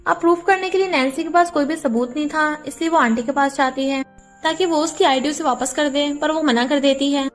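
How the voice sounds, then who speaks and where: Woman narrator, high voice, brisk drama recap, faint music.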